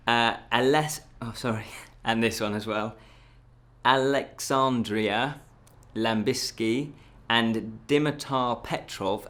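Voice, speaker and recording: A man's voice: mid-range voice, a bit bright. A man presenting an informal news show from a script, ad-libbing with self-deprecating jokes and tripping over words.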